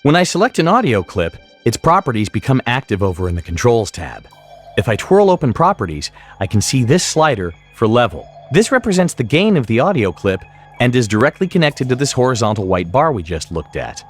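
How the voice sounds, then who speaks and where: A man narrating a scripted software tutorial as an instructor, in a measured, explanatory way. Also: mid-range voice, sing-song, soft background music.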